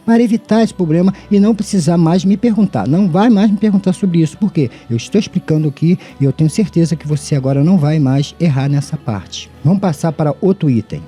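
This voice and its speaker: A man's voice: a little high, mellow, breathy edge. Muffled, lisping middle-aged Brazilian man. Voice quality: tongue-tied lisp, slushy sh for s. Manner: didactic, addresses listeners formally, asks himself questions. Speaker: audio tutorial host. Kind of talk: informal scripted-free audio lesson. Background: background music.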